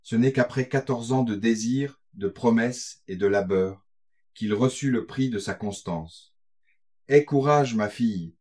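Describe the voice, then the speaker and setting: A man's voice: mid-range voice, a little slow, warm tone, lightly acted. A man reading an audiobook, voicing an old white-bearded patriarch who consoles and blesses in a grave, solemn manner. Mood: consoling. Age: older.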